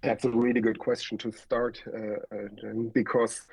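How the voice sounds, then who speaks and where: A man from Germany with a German accent, a native German speaker, explaining as an expert guest in a measured, hesitant way. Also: mid-range voice, flat delivery, gravelly, a little mellow, breathy edge, no room sound. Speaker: guest academic expert, professor. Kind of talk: explanatory interview talk. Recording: dull, lo-fi remote connection.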